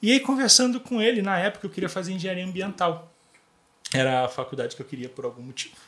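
Speaking in a Carioca accent, the voice rushes at a very fast pace, swings very widely in pitch, and breaks off for long, frequent pauses. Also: man, high pitch for a man. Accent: carioca Brazilian Portuguese. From Rio de Janeiro, Brazil. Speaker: engineer and business owner. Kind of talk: casual interview chat.

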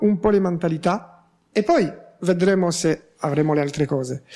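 Speaking at a fairly slow pace with a French accent, a man uses a high pitch on a very clean recording, silent background. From France. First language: French (speaking Italian). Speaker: anti-mafia activist and researcher. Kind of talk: interview. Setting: radio studio.

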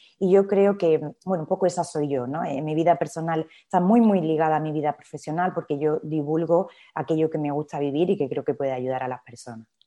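Very deep and low for a woman, her voice has a dark, mellow tone and ordinary pitch variation. She talks at a fairly quick pace against a quiet background. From Andalusia, Córdoba province (Spain). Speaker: nutritionist. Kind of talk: podcast interview.

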